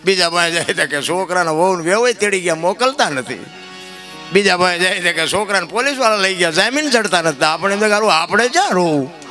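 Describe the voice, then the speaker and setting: A man giving a folk dayro sermon, preachy and story-driven, climbing to loud, impassioned peaks. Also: high voice, lively intonation, a little fast, faint music behind. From Gujarat, India.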